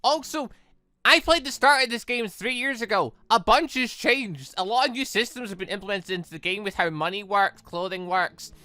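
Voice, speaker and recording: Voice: medium pitch, expressive, normal speed, sharp tone, dry recording. A gaming YouTuber giving casual, rambling let's play commentary in a chatty way.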